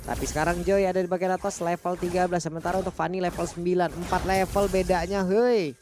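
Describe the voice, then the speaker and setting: High-pitched, playful Indonesian male esports announcer. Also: level tone, quick pace, darkish tone, a little hiss or hum. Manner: colloquial, playful, exclamatory. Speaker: esports match commentator. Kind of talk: lively, joking game commentary in announcer manner.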